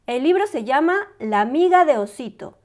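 A woman reading a storybook aloud to young children in a bright, sing-song, welcoming manner. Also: sits high, expressive, normal speed.

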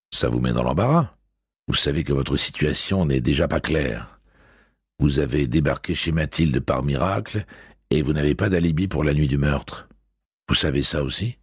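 A dreamy, mild-mannered police commissioner from an audiobook, voiced by a man. He speaks in an unhurried, musing way, with a deep, raspy voice. The sound is close and dry. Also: animated, no echo, exaggerated voice.

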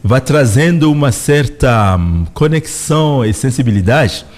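A middle-aged man from Congo with a Congolese accent, giving measured, reflective answers as a guest in a radio studio. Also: mid-range voice, expressive, a little mellow, soft background music. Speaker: representative of a spiritual organization, guest. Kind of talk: interview answers. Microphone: studio microphone close in front.

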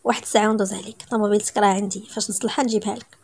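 A woman reading a calm, caring young man. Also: medium pitch, very fast, a little hiss or hum, natural voice. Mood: gentle. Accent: Moroccan.

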